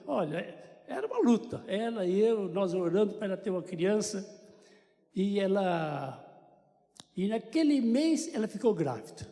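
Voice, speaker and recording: An older Brazilian man tells a church testimony in a chatty, storytelling way, breaking off for little jokes. His voice sits high and sounds mellow and soft-edged. A long church reverb trails after every phrase. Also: sing-song, unhurried. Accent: Brazilian Portuguese. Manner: chatty storytelling with joking asides. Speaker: church member giving testimony. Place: church sanctuary.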